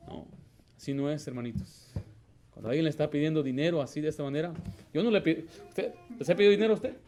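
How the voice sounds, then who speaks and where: High-voiced preaching man. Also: fast talker, a little mellow, slight background noise. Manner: preaching with rising emphasis, asks the congregation questions. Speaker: pastor. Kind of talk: sermon. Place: church.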